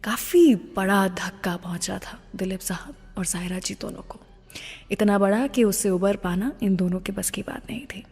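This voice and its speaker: A woman's voice: mid-range voice, normal speed, darkish tone, breathy edge, big-room sound. A woman hosting a radio show in a conversational storytelling style, mixing English phrases into her Hindi. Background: music playing under the voice.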